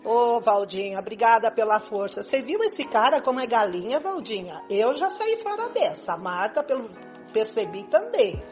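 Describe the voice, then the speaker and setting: A woman's voice: on the high side, big pitch swings, normal speed, darkish tone, faint music behind. An older Brazilian woman playing a sassy, scornful lady in an amateur radio soap.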